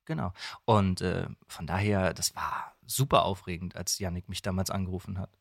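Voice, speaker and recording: A man's voice: sits low, moderate pace, vocal fry, no room sound, clean studio sound. A man, a voice actor chatting casually as an interview guest. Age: 30s. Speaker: guest, voice actor for dubbing and audio dramas.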